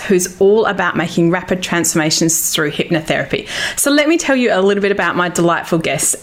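A woman hosting a podcast interview, chatty and bubbly, laughing often. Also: fairly low pitch. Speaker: podcast host. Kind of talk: casual interview chat.

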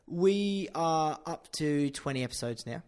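A man's voice: on the high side, lively intonation, unhurried, a little mellow. A man with an English accent hosting a casual podcast, rambling a little and repeating phrases for emphasis. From England. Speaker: podcast host. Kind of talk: casual chat.

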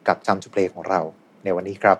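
A man's voice: low-pitched, flat delivery, a little fast, slightly rough. A man hosting a casual podcast, introducing his guest and answering with short replies. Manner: friendly, brief backchannel replies. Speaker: host.

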